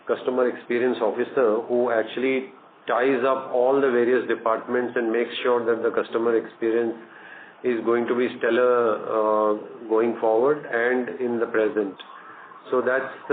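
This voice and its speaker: A man with an Indian accent speaks as a company executive on an earnings call. His delivery is measured and halting, businesslike in manner. The sound is a narrow, echoey phone line with clear noise. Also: medium pitch. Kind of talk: answering questions on an earnings call. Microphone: conference phone call. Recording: echoey tinny conference phone line, noisy.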